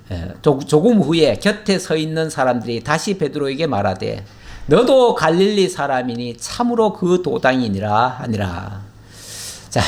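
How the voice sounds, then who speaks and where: Lively, expressive pastor teaching scripture. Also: male voice, on the high side. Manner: conversational, asks the listeners questions; reads scripture in an old formal register. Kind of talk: Bible teaching sermon.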